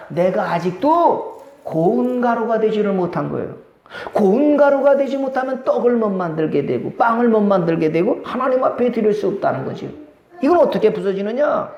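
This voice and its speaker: High-voiced pastor preaching in an echoey church. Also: male voice, lo-fi sound. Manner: animated, conversational preaching with questions to the congregation. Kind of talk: sermon. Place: church sanctuary.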